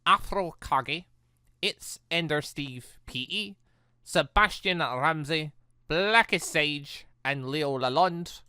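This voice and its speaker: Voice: mid-range voice, slow, bright, forceful tone, clear, resonant tone, no echo, studio quality. A gaming YouTuber giving casual playthrough commentary in a chatty, rambling, enthusiastic way. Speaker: gaming YouTuber, let's player.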